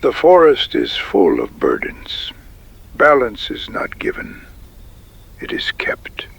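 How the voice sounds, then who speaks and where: A man playing a wise, solemn Native tribal chief in a frontier audio drama, speaking gravely with a breathy, gravelly voice that often drops to a whisper. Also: medium pitch, wildly swooping pitch, heavily acted. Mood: measured, wise. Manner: slow, measured, grave pronouncements.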